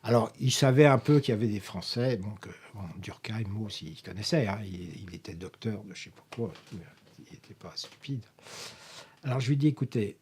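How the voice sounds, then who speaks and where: Husky older French man reminiscing. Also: lowish voice, normal speed, darkish tone. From France. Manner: rambling, with many hesitations and self-corrections. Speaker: interviewee, professor emeritus. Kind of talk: filmed interview, anecdotal recollection.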